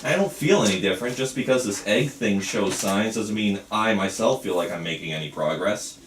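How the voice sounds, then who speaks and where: A man's voice: on the low side, expressive, a little fast, lightly acted. A man playing a lonely, frustrated and defiant patient in a film script table read. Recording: roomy, distant mic, faint room noise.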